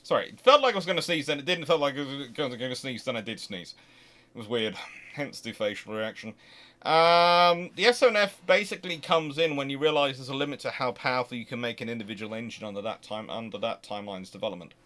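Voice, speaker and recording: This host has a medium-pitched, pushed and bright voice and talks fast with plenty of animation. Taking viewer questions in a relaxed live session about naval history, he rambles and wanders off topic, frequently asking rhetorical questions mid-explanation.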